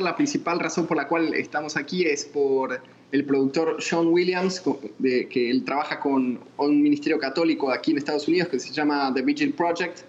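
A man's voice: a little high, muffled recording, slight background noise. A man from Argentina with an Argentine accent, a musician guest answering thoughtfully with many restarts. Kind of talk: interview answers.

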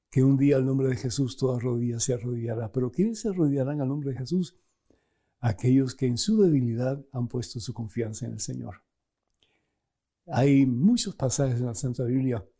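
A middle-aged man, a priest hosting a program, preaching and answering viewer questions in an animated way, chuckling between points. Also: creaky. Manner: animated, acts out scripture quotes with sudden pitch jumps.

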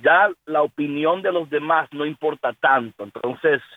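A man's voice: on the high side, measured pace, no echo, phone-quality sound. A man from the United States, a pastor, talking earnestly in a faith interview and dropping English words into his speech. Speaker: pastor and guest.

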